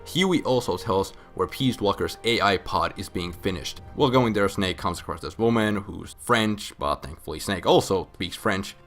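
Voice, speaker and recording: A low-voiced man narrates like a drunk friend retelling a story, loose and rambling. He is crude and sarcastic, swears freely, and has music playing faintly behind him. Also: normal speed, hardly any pauses, a bit bright. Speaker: host of a comic video game storyline recap. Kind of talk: casual comedic narration, profane and rambling.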